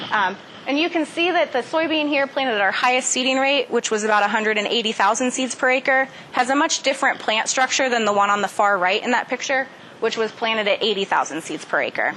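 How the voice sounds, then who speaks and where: Over noticeable background noise, a woman talks very fast in a high voice, with ordinary pitch variation and very even loudness. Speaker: agricultural extension specialist. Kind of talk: conference presentation. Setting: conference stage with audience. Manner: stumbling, self-correcting.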